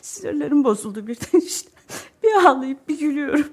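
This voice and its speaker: A fretful, warm-hearted middle-aged mother in a radio drama. She talks chattily and emotionally, swinging between sighs and outbursts. Her pitch moves in wide, lively sweeps. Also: a little fast. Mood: worried.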